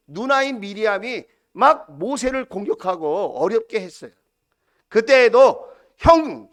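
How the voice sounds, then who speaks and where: A male pastor preaching a sermon, animated, full of rhetorical questions and acted-out quotes. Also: high-pitched. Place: church sanctuary.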